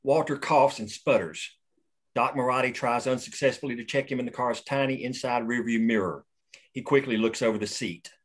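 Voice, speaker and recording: A man reading the stage directions aloud at a script table read in a steady, plain way. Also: medium pitch, moderate pace.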